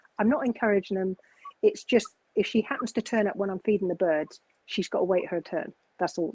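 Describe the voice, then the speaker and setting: In a dark, mellow tone, a woman speaks at a moderate pace, recorded with a dry, close sound and no echo. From southern England, Wiltshire. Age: 60s. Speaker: druid. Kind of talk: casual chat.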